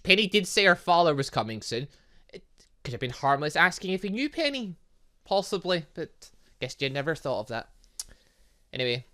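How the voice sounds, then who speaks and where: A man giving excitable, rambling casual commentary as he plays a visual novel as a gaming host. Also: fairly high pitch, normal speed, pauses often. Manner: excitable, rambling, reacting aloud. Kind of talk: casual game commentary with lines read aloud from a visual novel.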